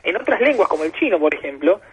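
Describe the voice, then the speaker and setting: Over a muffled telephone line on the radio, a man with an Argentine Spanish accent speaks as a guest expert in an interview. His voice is high-pitched and sing-song, and he talks quickly. He's patient and professorial, building his points with examples.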